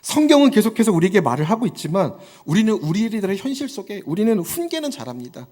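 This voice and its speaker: Fervent high-voiced preacher in echoey hall. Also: male voice, very animated, fast talker, warm tone. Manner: rising to fervent exhortation, acting out quotes. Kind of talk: Sunday sermon.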